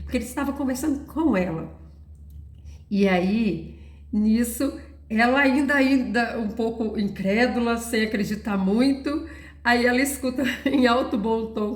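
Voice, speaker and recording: A woman's voice: a little high, a little mellow. A woman giving an earnest, storytelling Christian testimony, sharing her faith in a personal talk. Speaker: Christian devotional speaker. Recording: roomy echo.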